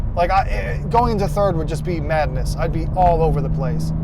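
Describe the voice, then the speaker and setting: The speech comes at a moderate pace, with noticeable background noise. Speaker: car reviewer. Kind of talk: in-car driving review. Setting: in a car. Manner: loud; animated.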